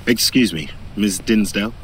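An actor playing a polite, calmly insistent male intelligence agent, a weighty, resonant voice and a measured, reassuring delivery. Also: lowish voice, slight background noise, lightly acted. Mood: polite, firm. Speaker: MI5 agent. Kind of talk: audio drama acting.

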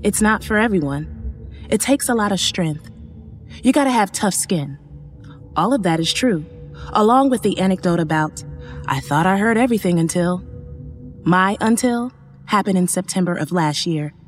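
A woman playing an emergency operator who narrates a first-person horror story in a measured, sombre way. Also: mid-range voice, animated, close to an everyday voice. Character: female emergency operator recounting a haunting night. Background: faint music.

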